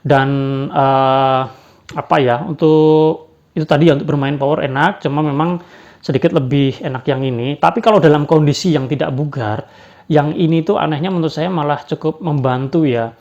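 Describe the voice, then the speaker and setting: A man's voice: on the high side, normal speed, darkish tone. A man giving a casual spoken product review, hesitant, with many fillers and tag questions. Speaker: badminton racket reviewer. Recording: dull lo-fi sound.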